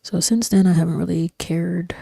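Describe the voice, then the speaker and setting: A young woman streams and chats in a low, soft-spoken voice that hovers near a whisper. Her tone is mellow and flat. She rambles along relaxed, full of fillers and slang, close on a dry desk mic. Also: moderate pace, gravelly, slightly rough, dry recording. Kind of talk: casual chat while gaming. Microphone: desk microphone.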